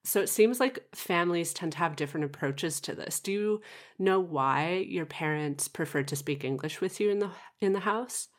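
Podcast host: woman, low register, thoughtful and tentative conversational interviewer. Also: moderate pace. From Canada.

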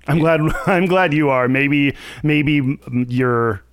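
Hungover male co-host, smooth and dry-sounding, hesitant with nervous laughs. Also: fairly high pitch, slow, dry recording. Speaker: podcast co-host. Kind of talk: casual chat.

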